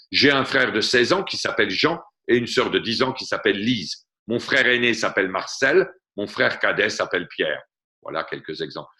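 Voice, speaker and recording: A man gives a patient one-on-one lesson over a video call. His voice sits a little low but has a bright, forward ring. He talks through grammar examples at an easy teaching pace. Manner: explains patiently, mixes in English glosses. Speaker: French tutor. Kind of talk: online tutoring session. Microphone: computer mic on a video call.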